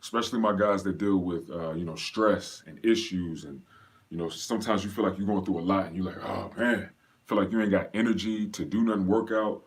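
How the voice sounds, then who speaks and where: A man's voice: deep voice, steady tone, brisk, husky. A man from Pennsylvania, raised in North Carolina, casually hosting a live fitness Q&A and greeting viewers by name in a slangy, laid-back way. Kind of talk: casual livestream chat.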